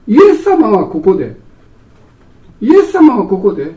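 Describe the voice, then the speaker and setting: A man's voice: sits high, moderate pace. A middle-aged man preaching a sermon as pastor, telling stories animatedly and acting out scenes. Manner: animated storytelling, acts out scenes. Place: church sanctuary. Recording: echoey church hall from far off.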